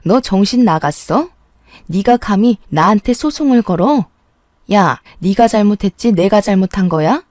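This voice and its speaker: A woman voicing a furious, clingy sister-in-law who screams insults in a warm, dry voice. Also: medium pitch, animated, normal speed, dry recording, close to an everyday voice.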